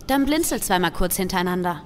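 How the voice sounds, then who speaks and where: A woman's voice: on the low side, lively intonation, quick pace, natural voice. Woman as dry female police colleague, faint noise. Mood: dryly teasing. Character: matter-of-fact female police colleague, dryly teasing. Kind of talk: German audio drama acting. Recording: faint background noise and ambience.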